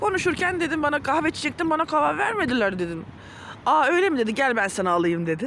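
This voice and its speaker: Speaking at a fairly quick pace, a man swings his pitch very widely, recorded dry with no echo over light background noise. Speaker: vlogger. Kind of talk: casual vlog chat. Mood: happy, amused. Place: waterside. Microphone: phone near.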